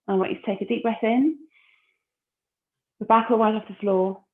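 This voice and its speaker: A woman leading a core exercise class, giving calm, encouraging cues and breath counts. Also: a little high, normal speed. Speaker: fitness instructor. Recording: phone-like narrow audio.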